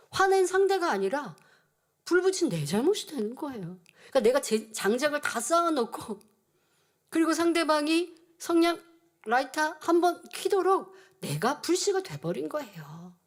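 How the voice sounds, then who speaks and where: A woman preacher giving an earnest sermon and acting out quoted dialogue in changing voices. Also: sits high. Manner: earnest teaching tone.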